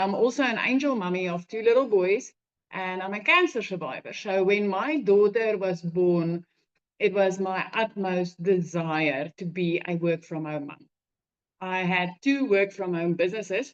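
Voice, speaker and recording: A woman's voice: mid-range voice, muffled recording. A South African woman telling her own story on an online webinar, speaking directly to listeners. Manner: direct, addresses listeners as "you guys". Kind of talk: conversational storytelling.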